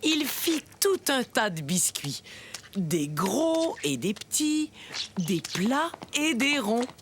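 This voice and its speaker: A woman playing a kindly grandmother who narrates bedtime stories in a children's cartoon with expressive, unhurried telling. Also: fairly high pitch, noisy background. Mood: warm storytelling.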